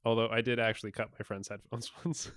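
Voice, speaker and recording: Relaxed young man chatting about films. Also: lowish voice, fast talker, smooth, no room sound, clean studio sound. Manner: relaxed, laughs often. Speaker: podcast co-host. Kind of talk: casual film review chat.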